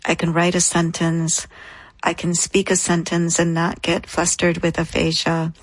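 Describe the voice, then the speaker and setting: A woman's voice: on the low side, completely flat delivery, measured pace, dry recording, poor audio. A woman in her thirties, a guest in an interview, telling a personal story in an earnest, reflective way, in short phrases.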